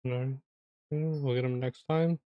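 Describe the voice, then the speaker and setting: A young man giving chatty, offhand commentary while he plays a game, swearing now and then and clearing a throat that is going hoarse. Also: mid-range voice, fairly even intonation, unhurried, no room sound, muffled recording. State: losing his voice, clearing throat. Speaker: streamer. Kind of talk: casual gameplay commentary.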